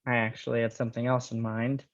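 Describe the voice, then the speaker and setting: An actor playing a shy, smitten, curious customer in a script table read, speaking hesitantly. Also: male voice, medium pitch, flat delivery, fast, dull audio, close to an everyday voice. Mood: bashful, smitten.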